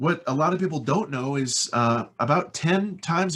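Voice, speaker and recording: A somewhat breathy man with an American accent and ordinary pitch variation. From United States. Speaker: voice actor. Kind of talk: interview. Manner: animated.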